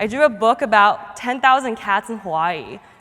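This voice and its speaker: A woman with medium pitch speaks at a moderate pace. Noticeable background noise is audible. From moved to US at seven, grew up in Portland, Oregon. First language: not English. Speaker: artist and designer. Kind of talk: conference talk. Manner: casual, filler-heavy.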